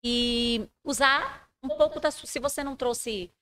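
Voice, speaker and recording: A woman teaching public speaking in a calm, didactic way, finishing her co-host's sentences. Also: sits high, a little slow. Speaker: speaking coach. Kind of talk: instructive conversation. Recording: long hall reverb.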